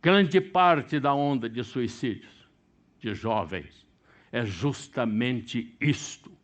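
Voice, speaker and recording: A middle-aged man from Brazil preaching a sermon, swinging between sudden loud, high bursts and quiet, low asides. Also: animated, slow pace. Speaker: pastor.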